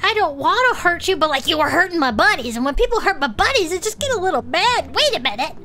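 A woman playing an excitable, protective brawler in a tabletop audio drama, earnest and blunt. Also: extremely high pitch, fast, full character voice. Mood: puzzled, protective.

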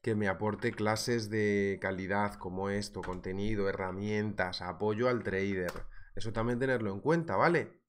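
A man with a Spanish accent from Spain and a somewhat low voice, chatting lively through a throat left sore by a cold. He hosts a live market webinar from a small room, speaking into a webcam setup. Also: moderate pace, slight background noise. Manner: lively, chatty, addresses viewers directly. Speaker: trading webinar host. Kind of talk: live market analysis webinar, reading viewer comments. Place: small indoor room at a desk.

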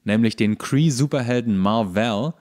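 A man co-hosting a podcast in casual chat, explaining things in a halting, searching way. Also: mid-range voice, a little mellow. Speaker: podcast co-host.

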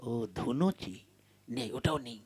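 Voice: mid-range voice, expressive, unhurried, lightly acted. A performer voicing a greedy, thieving Brahmin priest puppet in a Bengali folk comedy, by turns muttering and calling or chanting. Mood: sly muttering. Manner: calls out for customers, mutters slyly, botches chanted mantras. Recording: loud music behind the voice. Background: music.

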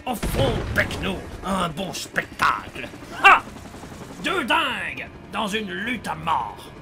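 A man's voice: high voice, sing-song, gravelly, over music, exaggerated voice. A man playing a manic, sadistic clown supervillain in a video game fan dub, taunting and theatrical. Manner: taunting, drawn-out, swooping delivery.

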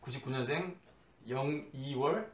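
A man's voice: medium pitch, unhurried. A young man in a boy band telling a story in casual group chat, laughing lightly. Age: young adult. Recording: echoey room, far mic, crowd chatter.

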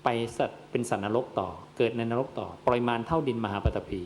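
Thai monk preaching a dharma sermon. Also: male voice, mid-range voice, quick pace, darkish tone, a little hiss or hum. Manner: addresses listeners as "yom", asks and answers his own questions. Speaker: Buddhist monk.

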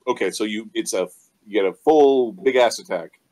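A man's voice: lowish voice, moderate pace, a little mellow, rough recording. A man taking part in a tabletop game, casually chatting and asking about rules.

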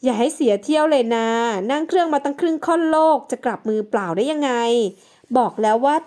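A woman's voice: sits high, expressive, quick pace, warm tone. A woman reading the part of a scheming older woman in an audio novel, coaxing and pleading.

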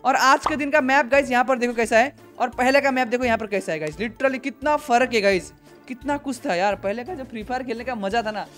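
A young man with a high voice reacts to game footage in a chatty, excitable way, often calling out to his viewers. A little background music plays faintly behind him. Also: a little fast. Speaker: gaming YouTuber. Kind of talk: casual game reaction commentary.

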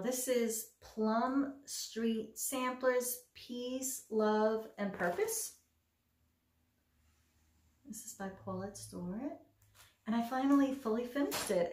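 A woman's voice: a little high, a little mellow, a little hiss or hum. Middle-aged woman hosting a casual crafting vlog; upbeat show-and-tell, recorded in a roomy, echoey space. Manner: chatty, self-deprecating, enthusiastic. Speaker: cross stitch vlogger. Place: home craft room.

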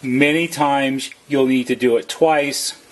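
Man, medium pitch, husky tone, instructional how-to narration, methodical, plain-spoken tradesman delivery. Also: steady tone, slow pace. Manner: plain, methodical, step-by-step explaining. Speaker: service technician giving a tutorial.

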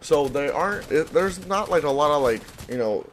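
A man's voice: on the high side, expressive, normal speed, a little hiss or hum. A young man hosting a gaming video with casual, hyped commentary in informal, rambling, slangy speech. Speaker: gaming YouTuber, host.

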